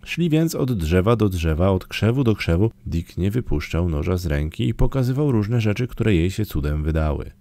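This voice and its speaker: A man narrating an audiobook with an expressive, animated delivery. His voice is low, dark and gravelly. The recording is close and dry. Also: moderate pace, few pauses, no echo. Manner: expressive storytelling. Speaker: audiobook reader.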